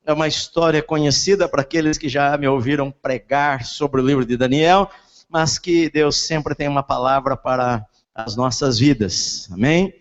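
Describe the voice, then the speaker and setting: Brazilian pastor preaching with a barely opened mouth. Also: male voice, mid-range voice, fairly even intonation, normal speed. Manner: talks with mouth barely open. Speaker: pastor preaching at a church service. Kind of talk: sermon. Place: large indoor church hall during a service. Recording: muffled, reverberant large church hall.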